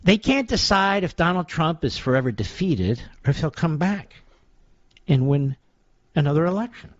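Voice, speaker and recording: Sarcastic, combative radio talk host. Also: male voice, a little high, expressive, moderate pace, dry recording. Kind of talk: opinion talk radio monologue. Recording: dull lo-fi dry sound.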